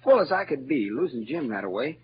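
A man's voice: medium pitch, sing-song, brisk, slight background noise, natural voice. A man voicing a plain-spoken rustic teenage boy. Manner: plain rustic narration, urgent when searching. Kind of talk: 1940s radio drama narration. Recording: dull lo-fi old radio recording with music.

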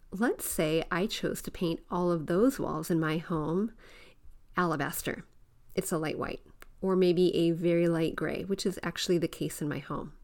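A woman's voice: fairly low pitch, darkish tone. A woman hosting a home decorating podcast, explaining design ideas step by step and repeating her key points. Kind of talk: instructive podcast talk.

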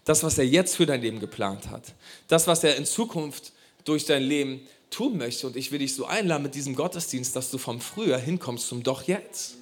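A man preaching a sermon, addressing the congregation directly in an animated way. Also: medium pitch, normal speed. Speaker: pastor.

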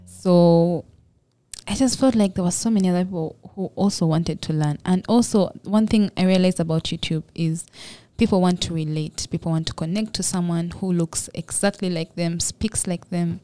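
A young Ugandan woman with a Ugandan accent, a makeup entrepreneur, appears as a guest on a casual podcast interview. Her fairly low, dark voice moves at normal speed with no room sound as she speaks modestly and reflectively.

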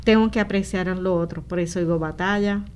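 A woman's voice: on the low side, fairly even intonation, a little fast, darkish tone, slight background noise. A woman from Rico, talking earnestly and explaining things as a missionary guest in an interview. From Puerto Rico. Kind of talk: conversational interview testimony.

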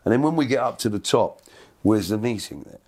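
A man's voice: on the low side, expressive, fairly quick, darkish tone. Rambling man telling a story. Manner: rambling, repeats words, acts out voices in quotes. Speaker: guest. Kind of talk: casual storytelling.

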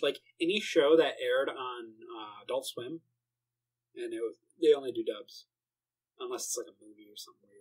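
A man's voice: mid-range voice, moderate pace, darkish tone, slightly rough, poor audio. A young man rambling casually about anime, swearing often and filling gaps with "like" and "uh". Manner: rambling, profane, frequent fillers. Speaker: anime fan. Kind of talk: casual monologue.

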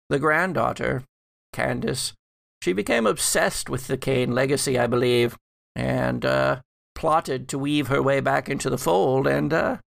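A man's voice: medium pitch, gravelly, fairly bright tone, no echo. A man playing a regretful dead ancestor in a gothic tabletop story, speaking in hesitant, broken phrases.

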